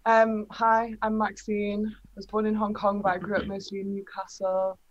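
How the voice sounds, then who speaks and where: A woman's voice: medium pitch, completely flat delivery, moderate pace. A young woman, a student and protest organiser, introducing herself briefly with some hesitation. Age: young adult. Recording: dull lo-fi dry sound.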